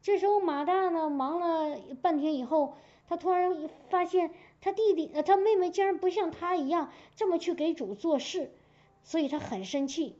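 A woman preaching a sermon in a lively storytelling way, checking in often with her listeners. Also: very high voice, moderate pace. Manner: lively storytelling with frequent "明白我的意思吧" asides. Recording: dull lo-fi recording.

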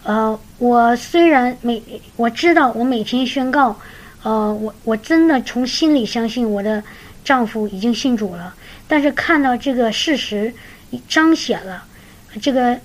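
With a fairly high voice and lively intonation, a woman unhurriedly tells her faith story like a sermon. She's an earnest preacher sharing a testimony who often repeats words, captured on a low-quality recording.

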